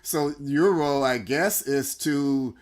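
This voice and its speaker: A man's voice: mid-range voice, slow. A man co-hosting a livestream talk show, talking casually, restarting and repeating words as he thinks aloud and tells anecdotes.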